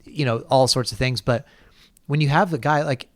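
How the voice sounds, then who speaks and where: A man at a middle pitch hosts a casual podcast chat, working his thoughts out loud. He circles back and restarts often. The room is dry, with almost no reverb. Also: normal speed. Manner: rambling, thinks aloud with many restarts. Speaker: podcast host. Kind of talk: casual conversation.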